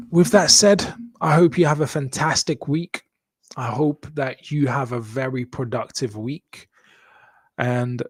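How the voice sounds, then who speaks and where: A man's voice: medium pitch, fairly bright tone, dry recording. A man with a Kenyan accent, born in Congo and raised in Kenya, hosting a live show and signing off to his viewers in an upbeat, joking way, often repeating his phrases. English is not his first language. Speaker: host.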